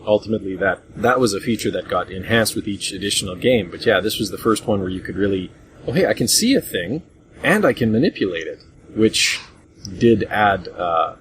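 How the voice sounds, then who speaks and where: A man hosting a casual group discussion about retro games in a rambling, hesitant way, on a low-grade voice chat recording. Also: animated, fairly quick, background noise. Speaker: podcast host.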